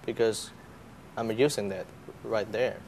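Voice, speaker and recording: A man's voice: lowish voice, steady tone, unhurried, a little mellow. A young man, a student guest, answering interview questions casually, with fillers and laughs. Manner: chatty, laughs, uses fillers. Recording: faint background noise.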